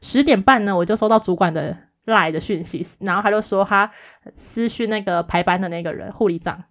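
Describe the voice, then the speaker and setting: Woman, podcast co-host, rapid lively storyteller. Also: mid-range voice. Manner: lively storyteller, acts out the other people's replies. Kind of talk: casual chat, telling a work story.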